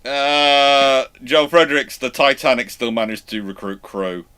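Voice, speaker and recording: A man's voice: mid-range voice, fairly even intonation, sharp tone, clean tone. A man hosting a casual live question-and-answer chat, stammering through false starts and repeating himself. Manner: halting, stammering false starts and self-repetition.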